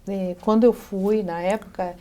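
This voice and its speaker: Middle-aged woman, measured and thoughtful. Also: mid-range voice, steady tone, warm tone. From Brazil. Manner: thoughtful, pauses to search for words. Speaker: interview guest, educational psychologist. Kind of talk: TV interview answers.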